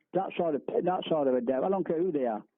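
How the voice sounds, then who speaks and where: A man speaks with a Lancashire accent. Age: 80s+. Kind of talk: phone call reminiscence.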